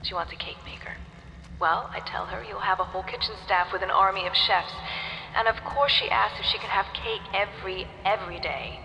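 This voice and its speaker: An actress playing a tender, wistful governess in a video game monologue. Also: female voice, medium pitch, fairly even intonation, fairly quick, creaky, bright, forceful tone. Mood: fond, wistful. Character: tender, wistful governess caring for an orphaned girl. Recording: long reverb, faint background noise.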